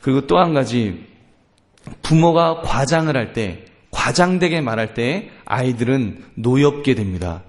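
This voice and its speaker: A man's voice: medium pitch, measured pace. A male pastor preaching to his congregation, often asking them questions and acting out parents and children arguing. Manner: addresses congregation directly, acts out family quarrels in lively voices. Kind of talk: sermon.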